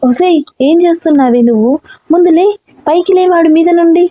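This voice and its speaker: A woman reading a story aloud and voicing a feisty, flustered young heroine who shouts when upset. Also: fairly even intonation, moderate pace, dry recording, dull audio. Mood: exasperated. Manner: exasperated, shrill outbursts.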